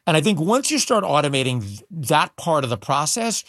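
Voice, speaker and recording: A man's voice: a little high, very animated, a little fast, a bit bright, dry recording, studio quality. A man, an entertainment reporter, explaining the story in casual chat with emphatic asides.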